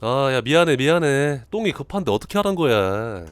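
A man's voice: medium pitch, big pitch swings, brisk, lightly acted. A man reading the lines of a laid-back, shady male game character who keeps clogging the toilet. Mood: urgent.

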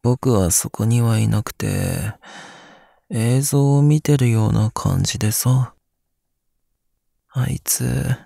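Man acting as a drowsy, gravelly young man. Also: medium pitch, dark tone, dry recording, clean studio sound. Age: young adult. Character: sleepy, grumpy but gentle young man living on the moon. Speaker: voice actor. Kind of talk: Japanese audio drama acting.

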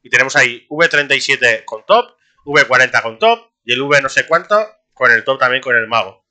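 A young man, streaming a game and talking to his chat in a casual, excitable way, laughing often. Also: mid-range voice, normal speed. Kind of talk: casual gameplay commentary.

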